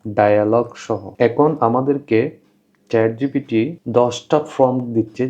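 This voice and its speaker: A man gives an informal screen tutorial in a medium-pitched voice. He explains each step plainly and often repeats himself, on a somewhat muffled, lo-fi recording. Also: darkish tone. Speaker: tutorial presenter. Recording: dull, lo-fi voice-over.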